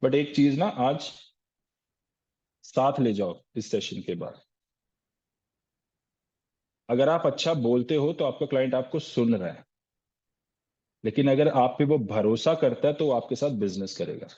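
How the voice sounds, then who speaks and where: A man's voice: medium pitch, animated, a little slow, mellow, lo-fi sound. A man giving a live sales training session, asking rhetorical questions and answering them himself, often calling his listeners "sir".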